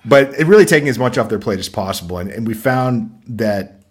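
A man's voice: mid-range voice, brisk, husky. A man being interviewed as a guest on a podcast, talking casually and bluntly, with frequent laughs. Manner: energetic and blunt, laughs easily. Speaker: podcast guest, marketing consultancy founder.

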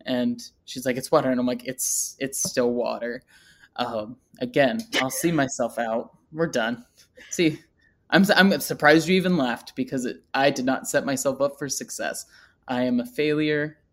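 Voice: medium pitch, fairly even intonation, moderate pace, a bit bright. A podcast co-host chatting casually, rambling through a story and joking at their own expense. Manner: rambling, self-deprecating humor. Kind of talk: casual chat.

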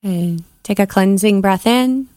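A woman leading a guided breathing meditation as a podcast host and coach, giving measured, soothing instructions with pauses. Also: mid-range voice, a little mellow, dry recording, studio quality.

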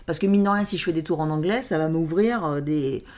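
A French woman talking casually as an interview guest, lively and emphatic, animating her stories. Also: low voice, a little fast. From France. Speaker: guest, stage performer.

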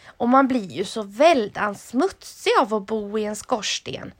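A woman's voice: medium pitch, close to an everyday voice. A woman voicing a small black soot monster in a storybook reading, chatty and explaining itself.

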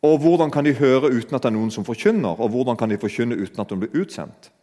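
A man's voice: mid-range voice, lively intonation, warm tone. A man preaching a sermon in a conversational way, talking straight to his listeners. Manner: conversational, addresses listeners directly. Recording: long hall reverb.

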